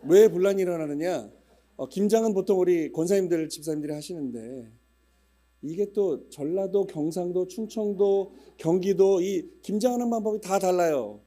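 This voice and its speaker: A man's voice: high voice, moderate pace, dark tone, soft background music. A man in his fifties, a pastor, chatting humorously with his congregation and telling stories before his sermon. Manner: chatty, humorous storytelling with regional dialect imitations. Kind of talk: casual church announcements before a sermon.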